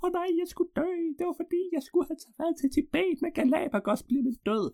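A man voicing a panicking young woman who wails in a shrill falsetto. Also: lively intonation, dark tone. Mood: panicked. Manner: shrill, wailing.

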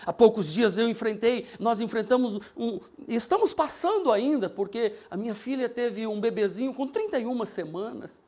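An older man preaching a sermon as pastor, emphatic and repetitive, telling stories with lively energy. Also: very high-pitched, moderate pace, hardly any pauses.

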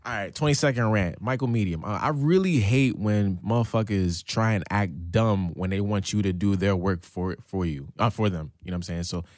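A man's voice: lowish voice, normal speed, few pauses, a little mellow, no room sound, studio quality. A young man from Newark, New Jersey, chatting as a guest, easygoing and full of fillers. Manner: easygoing, laughs often, filler-heavy. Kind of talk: casual chat.

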